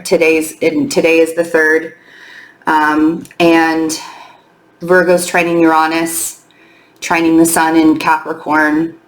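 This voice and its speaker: Woman losing her voice a bit, lower pitch, rambly astrology chat w lots of ums, roomy echo. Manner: chatty, with many ums and loose restarts. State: slightly hoarse, losing her voice. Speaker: astrology and tarot reader. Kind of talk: casual weekly astrology update.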